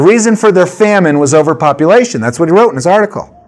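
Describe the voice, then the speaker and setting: With music in the background, a man with an American accent talks in a high pitch using lively intonation. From New Jersey, US. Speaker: pastor, Bible teacher. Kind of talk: Bible study lecture. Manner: hesitant fillers (uh).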